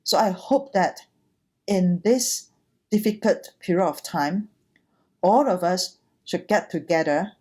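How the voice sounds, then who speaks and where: Slow, mellow-voiced woman giving a Dharma talk. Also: on the low side. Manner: deliberate, short phrases with pauses, earnest. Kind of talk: sermon, gentle teaching talk.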